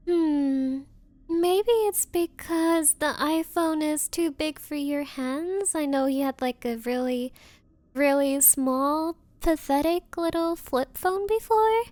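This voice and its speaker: A woman playing a bratty, rich yandere girlfriend in an ASMR roleplay, talking down sweetly and possessively with teasing, drawn-out phrasing. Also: high voice, a little mellow, dry recording. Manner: condescending, teasing, faux-sweet, drawn-out valley-girl phrasing. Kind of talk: ASMR roleplay, anime-style girlfriend audio.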